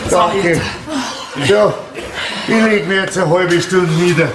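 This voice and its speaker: An older man with a Bavarian accent playing a grumpy, sharp-tongued farmhouse grandfather in a folk theatre comedy. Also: sits high, fairly even intonation, slow, crowd noise. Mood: grumpy, teasing. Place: theatre stage before an audience. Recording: distant echoey stage with noisy background.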